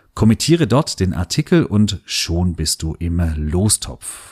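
On a very clean, dry and close recording with a silent background and no echo, a man's pitch swings very widely. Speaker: podcast host. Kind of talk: interview.

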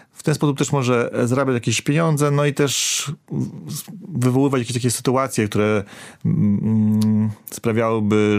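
This man talks at a medium pitch with ordinary pitch variation in an ordinary speaking voice. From Poland, Warmia. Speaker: long-distance hiker and video creator. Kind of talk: interview.

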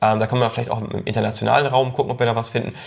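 A man's monotone, flat delivery at a medium male pitch. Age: 30s. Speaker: influencer, podcast host. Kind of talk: casual chat. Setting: studio sofa.

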